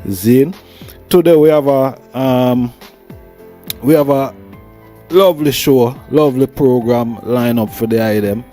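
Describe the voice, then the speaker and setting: A man's voice: mid-range voice, unhurried, pauses often, mellow, soft background music. A man with a Jamaican accent hosting a talk show in Rasta speech, with reverent Rastafarian phrasing and greetings. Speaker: host.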